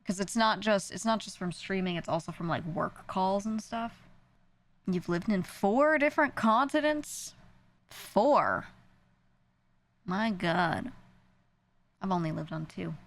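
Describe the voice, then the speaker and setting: A woman's voice: mid-range voice, animated, slow pace, pauses often. A young woman with a New York accent, chatting casually on a stream, rambling and self-deprecating with frequent laughs. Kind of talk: casual stream chat answering viewers.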